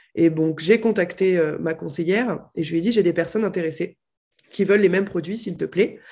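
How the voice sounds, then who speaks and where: With a quiet background, a woman speaks at a fairly quick pace in a fairly low pitch, her tone dark and mellow and her pitch varying in an ordinary way. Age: 30s. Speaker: network marketing team leader. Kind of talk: interview.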